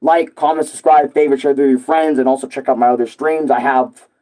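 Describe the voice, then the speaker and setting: Hoarse young man ranting casually. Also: medium pitch, steady tone, brisk, warm tone. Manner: loose, profane, rambling with many fillers. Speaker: gaming streamer. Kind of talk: casual rant to viewers.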